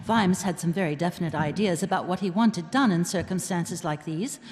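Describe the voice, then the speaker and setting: A woman's voice: lowish voice, normal speed, darkish tone, a little hiss or hum. A woman reading scripted dramatic narration for a live stage radio play. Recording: reverberant live hall, music underneath. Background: music.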